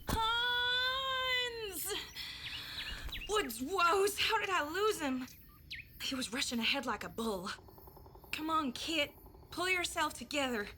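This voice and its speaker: A woman's voice: extremely high pitch, pushed and bright, a little hiss or hum, exaggerated voice. An actress playing an anxious young village huntress in an audio drama, earnest and pleading in her delivery. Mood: desperate pleading. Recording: outdoor ambience with birdsong.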